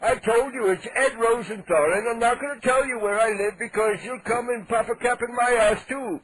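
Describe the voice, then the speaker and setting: A man's voice: very high voice, a little fast, fairly bright tone, rough recording. A man playing a cranky, indignant 87-year-old neighbor on a prank call, making blustering threats with mock-polite outrage. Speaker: prank caller.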